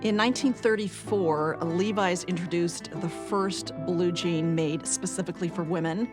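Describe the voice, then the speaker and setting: Lowish-voiced American woman narrating over guitar. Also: fairly even intonation, moderate pace. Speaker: archivist and narrator. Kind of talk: documentary storytelling.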